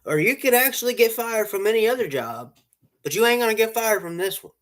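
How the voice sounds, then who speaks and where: A man's voice: sits high, expressive, brisk, fairly bright tone. A man who runs a lawn care business, giving casual, rambling advice with lots of repeats and restarts.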